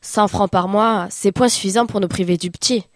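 A shrewd peasant wife haggling in slow, deliberate country speech, voiced by a female narrator. The voice stays near her mid-pitched own tone, a bit lower and quieter, recorded dry and close. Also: steady tone, no room sound, natural voice. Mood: calculating.

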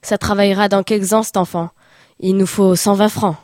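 A woman reading a story aloud, voicing a shrewd peasant wife who bargains in slow, deliberate rustic speech. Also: mid-range voice, steady tone, a little mellow, no echo, clean studio sound, lightly acted. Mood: calculating.

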